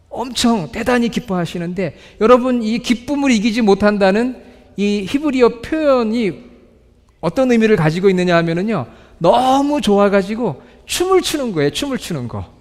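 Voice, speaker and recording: A man preaching a sermon to his congregation, asking them questions and reading scripture slowly. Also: high voice, sing-song, a little mellow. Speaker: pastor. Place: church sanctuary. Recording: reverberant church hall.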